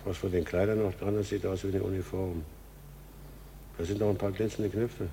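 Radio play: village gravedigger, low dark tone, plain, measured, matter-of-fact. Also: male voice, little pitch movement, slight background noise. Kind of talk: German radio drama acting.

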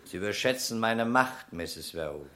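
An actor playing a shrewd, insistent police detective in a German crime radio drama, asking pointed questions. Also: male voice, lowish voice, animated, normal speed, bright, forceful tone. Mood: coolly pressing.

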